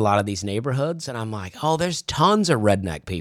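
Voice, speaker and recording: A man with a Southern US accent talks at a very fast pace in a fairly low voice, his intonation lively, on a very clean recording with a silent background. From Alabama. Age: 40s. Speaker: comedian. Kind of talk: casual chat.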